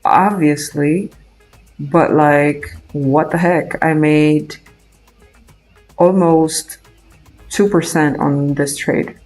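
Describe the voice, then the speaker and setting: A man's voice: fairly high pitch, steady tone, extremely slow, long pauses, a little mellow, soft background music, poor audio. A young man from Romania with a Romanian accent, chatting casually on a live trading stream, thinking aloud with many fillers and restarts. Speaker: day trader streaming live.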